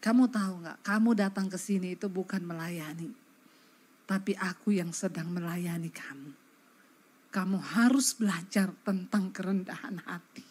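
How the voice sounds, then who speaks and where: A woman preacher voicing the calm inner voice of God in her story, speaking low and slowly. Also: breathy edge. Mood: solemn. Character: solemn, gentle inner voice of God.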